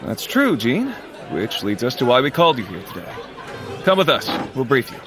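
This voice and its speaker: An actor playing an earnest, authoritative, encouraging superhero team leader in an audio drama. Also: male voice, mid-range voice, big pitch swings, moderate pace, music in the background, crowd noise, lightly acted. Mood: reassuring.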